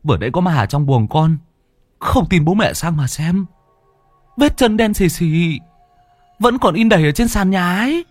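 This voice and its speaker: A man voicing a panicky young man who stammers and wails in a high, breathless voice in a ghost story. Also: lively intonation, normal speed, long pauses, no echo, soft background music. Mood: pleading. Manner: stammering, shrill wailing.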